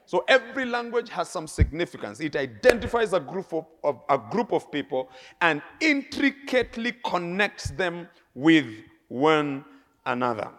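Kenyan male preacher, middle-aged, fairly high voice, storytelling sermon, shifts quiet to loud. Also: normal speed. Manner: animated, laughing, swinging between quiet and loud.

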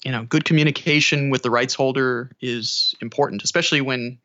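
A man's voice: mid-range voice, fairly even intonation, fairly quick, pushed and bright. A man talking casually as an interview guest, in a conversational style. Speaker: podcast guest, audiobook narrator. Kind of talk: casual interview chat, giving advice. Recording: slightly dull, band-limited audio.

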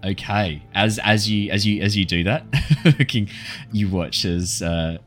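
A man with a very deep voice runs a tabletop game as dungeon master. He narrates scenes off the cuff, pausing and restarting as he goes. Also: fairly bright tone, soft background music. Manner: halting, improvised narration.

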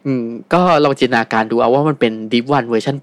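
Fast-talking man retelling a tale. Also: medium pitch, dry recording. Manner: relaxed, fast retelling with many fillers. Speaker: guest storyteller. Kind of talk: casual storytelling chat.

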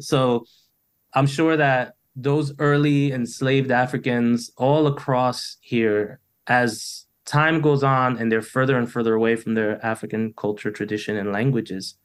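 Middle-aged new guy musing over a video call, lots of "you know", plain mid-pitched voice. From United States. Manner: thoughtful, loose, many "you know" fillers and restarts. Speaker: poet, interview guest. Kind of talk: reflective conversational interview.

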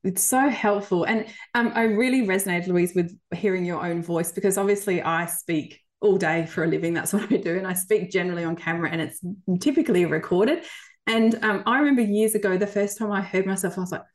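A woman hosting a podcast, with a voice of middling pitch. She sounds enthusiastic and chatty, reacting warmly to her guest and often laughing. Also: fairly quick. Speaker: podcast host and coach. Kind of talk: podcast interview.

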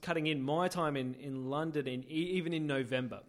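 A man's voice: on the high side, brisk. A man co-hosting a podcast in casual, blokey banter with short interjections. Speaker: podcast co-host. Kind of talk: casual chat.

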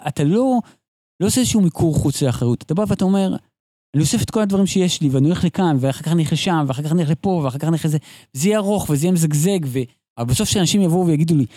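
A man in a casual conversation as a guest writer, telling stories in an animated, digressive way with frequent restarts. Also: high voice, no echo, studio quality.

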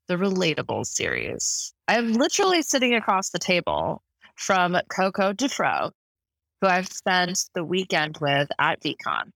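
A woman hosts a podcast and introduces her guest in a gushing, rambling way. Her voice sits a little low yet sounds bright. The recording is dry and close. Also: vocal fry, no room sound. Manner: effusive, rambling. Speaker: podcast host. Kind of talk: enthusiastic interview introduction. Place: hotel room.

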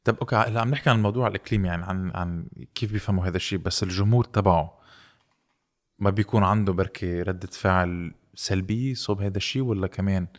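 A man's voice: low voice, racing. A Lebanese man hosting a casual interview, asking probing questions and mixing in English words. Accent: Lebanese Arabic. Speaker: host.

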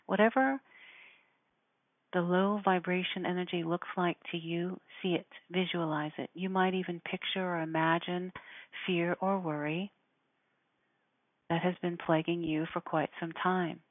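Woman doing a guided meditation lesson, measured and instructive, super dry close room sound, thin phone-like audio. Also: lowish voice, steady tone, no room sound. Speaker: spiritual teacher guiding listeners.

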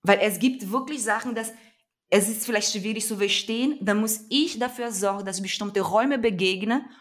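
An earnest young woman with a Brazilian Portuguese accent speaks as an interview guest, emphatic and searching for her words. Her voice sits at a middle pitch. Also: normal speed. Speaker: activist guest. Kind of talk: conversational interview.

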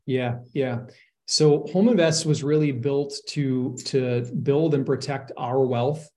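A man's voice: medium pitch, takes it slowly, dark tone. A middle-aged man who invests in real estate, earnestly explaining his cautious approach in a casual podcast chat. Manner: earnest, explains with analogies and worst-case caution.

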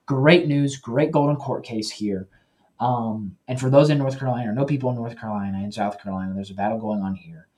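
A man hosting a Christian news commentary show, talking earnestly and directly to his listeners, often pausing and correcting himself. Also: mid-range voice, a little mellow. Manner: earnest, with self-corrections and pauses.

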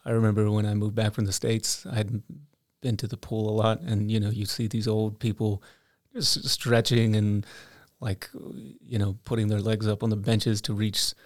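A young man from Iceland chatting casually as a podcast co-host, telling animated stories and laughing often. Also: on the low side, normal speed, dry recording, clean studio sound. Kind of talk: casual conversation.

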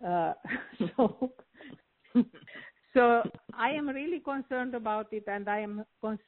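Romanian-born woman healer, interview guest, very slow halting delivery, tinny phone-quality audio. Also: fairly high pitch, animated. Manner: slow, hesitant, frequent filler pauses. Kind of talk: interview conversation.

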